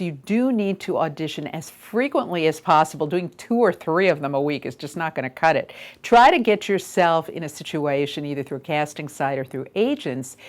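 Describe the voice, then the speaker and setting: A woman giving emphatic, direct instructional advice as a voiceover coach and host. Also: sits low. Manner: emphatic, stressing key words, direct advice. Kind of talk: instructional video talk to camera.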